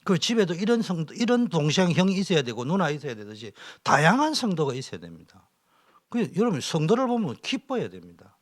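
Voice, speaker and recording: A middle-aged male pastor, preaching a training lecture, swinging from loud exhortation to whispers. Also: on the high side, sing-song, brisk. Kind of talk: sermon-style training lecture.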